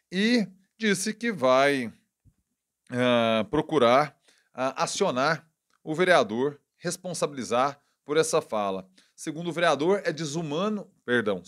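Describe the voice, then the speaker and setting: A man with a Brazilian Portuguese accent doing casual political commentary as a channel host, indignant and wry, with quick self-corrections. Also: on the high side, fairly bright tone.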